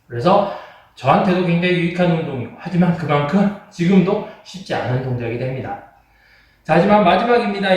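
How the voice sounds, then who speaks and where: A man instructing an exercise class, explaining politely and encouragingly and checking in with those following along. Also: on the high side. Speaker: home training fitness instructor. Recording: very echoey room, distant from mic.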